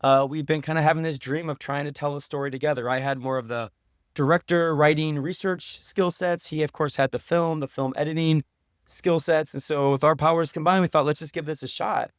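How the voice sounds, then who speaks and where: Male podcast guest, slightly higher-pitched, dry close sound, informal and sincere, conversational answers full of "you know". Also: fairly even intonation, brisk, clean tone, dry recording. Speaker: podcast guest, professor and documentary maker. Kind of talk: casual conversational interview answers.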